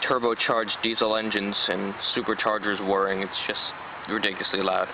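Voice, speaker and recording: A man with a fairly low voice talks through a casual hands-on review. He is informal, enthusiastic and a bit rambling. The recording is dull and lo-fi, with loud road traffic behind him. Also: little pitch movement, a little fast. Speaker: amateur product reviewer. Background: traffic, passing buses and cars.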